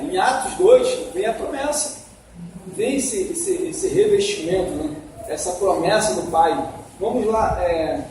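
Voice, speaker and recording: A man's voice: sits high, warm tone, a little hiss or hum. A man teaching a Sunday school class on the Bible, asking the class questions as he goes. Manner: asks the class questions, coaxing. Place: church hall. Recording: echoey hall from far off.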